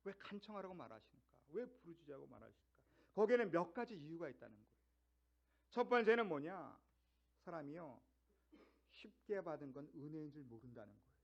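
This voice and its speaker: A man's voice: a little high, sing-song, fairly quick, muffled recording. A middle-aged male pastor preaching a sermon, building his points through strings of rhetorical questions and climbing to emphatic peaks.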